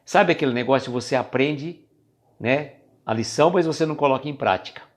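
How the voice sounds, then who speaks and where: A man with a Brazilian Portuguese accent speaks in a casual spiritual reflection, talking to live-stream viewers. His pitch sits in an ordinary middle range. He is chatty and conversational and sometimes loses his thread. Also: brisk.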